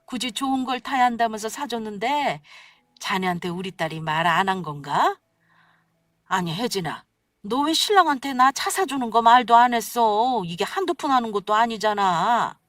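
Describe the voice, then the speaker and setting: A woman voicing an older, gentle mother who speaks slowly and questions in a measured way. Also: a little high, animated, no echo, clean studio sound. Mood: puzzled.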